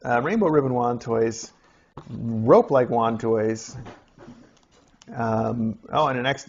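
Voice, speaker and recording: A chatty channel host opens mail for kittens, narrating casually and addressing them in a high, coaxing voice. His tone is a little mellow, and the slightly dull lo-fi audio carries faint noise.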